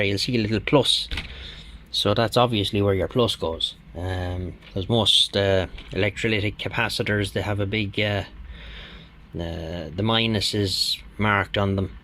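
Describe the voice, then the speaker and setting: A man's voice: fairly low pitch, steady tone, normal speed, a bit bright, a little hiss or hum. A middle-aged man casually talking through a radio repair at his workbench, rambling and plain-spoken with many ums and you-knows. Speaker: radio hobbyist channel host. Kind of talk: casual hands-on demonstration.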